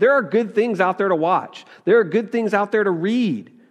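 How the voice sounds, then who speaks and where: Lively intonation marks this man's speech in a Southern US accent. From US South. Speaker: pastor. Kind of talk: sermon. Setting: church.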